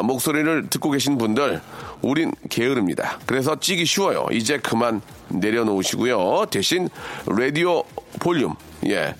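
A man's voice: mid-range voice, a bit bright. A man hosting a radio show, chatting playfully and straight to listeners while reading out their messages. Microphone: studio microphone.

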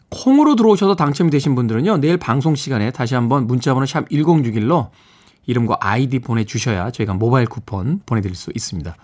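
Man morning radio DJ from Seoul, playful, pitch rising and falling freely, studio mic. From Seoul, South Korea. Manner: lively, playful, chuckles between messages. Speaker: radio show host. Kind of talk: morning radio show, reading listener texts.

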